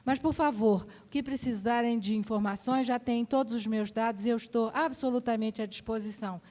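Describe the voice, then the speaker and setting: Measured higher-voiced woman on a panel. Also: darkish tone. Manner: measured, with hesitations. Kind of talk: panel discussion answer.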